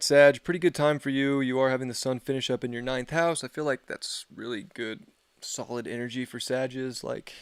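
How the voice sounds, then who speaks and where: Losing his voice, a man rambles through a laid-back, filler-heavy astrology forecast on a livestream. His voice is mid-range and smooth, and the recording is dry.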